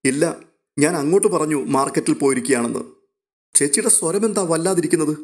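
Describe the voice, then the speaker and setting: A man voicing an eager, chatty young girl who reports news excitedly. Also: fairly high pitch, a little fast, natural voice.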